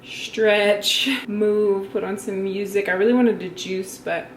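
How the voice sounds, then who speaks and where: A woman's voice: medium pitch, level tone, slow pace. A young adult woman vlogging at home in a casual, candid and reflective way. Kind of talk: casual vlog talk. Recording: echoey room, faint noise.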